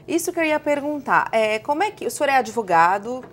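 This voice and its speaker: A woman's voice: high voice, big pitch swings, brisk, fairly bright tone, slight background noise. A woman hosting a program, opening the show and interviewing a guest in a chatty, playful way with short prompting questions. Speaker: host.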